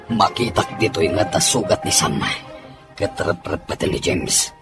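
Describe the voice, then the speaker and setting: A man's voice: sits low, moderate pace, over music, lightly acted. A man playing a commanding army officer in a radio drama, speaking with a Filipino accent. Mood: urgent, commanding.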